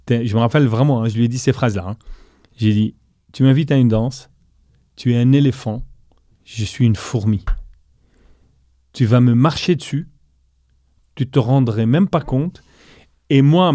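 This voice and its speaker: A middle-aged man recounts a business deal as an interview guest, bringing it to life and voicing the other people in the story. His voice is mellow and warm. The recording is dry and close. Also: medium pitch, normal speed, pauses often, no echo. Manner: animated storyteller, voices quoted dialogue. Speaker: guest entrepreneur.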